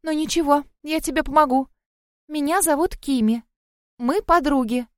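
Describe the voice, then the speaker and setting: A woman's voice: high-pitched, moderate pace, no echo, studio quality, pitched above the performer's own voice, lightly acted. A woman voicing a friendly young rabbit-eared girl, anxious and caring, who talks in an earnest, fussing way. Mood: reassuring.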